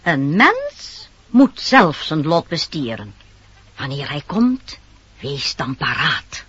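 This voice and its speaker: A woman's voice: low-pitched, huge pitch swings, takes it slowly, a bit bright, slightly rough, dry recording, full character voice. An actress in a Dutch radio play voicing a scheming peddler woman who coaxes and wheedles insistently. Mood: sly, persuasive. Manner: wheedling, insistent sales patter. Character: disguised scheming peddler woman, coaxing and sly. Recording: dull noisy old radio recording.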